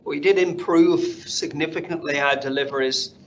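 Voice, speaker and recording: A man presenting company results on an earnings call in a measured, businesslike manner. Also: steady tone. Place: conference call. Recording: dull, noisy conference line with rumble.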